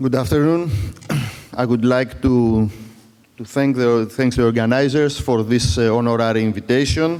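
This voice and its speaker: A man with a Greek accent speaks at a moderate pace and medium pitch with ordinary pitch variation, very even loudness and long, frequent pauses, amid noticeable background noise and audible room echo. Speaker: geopolitics professor. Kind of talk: lecture.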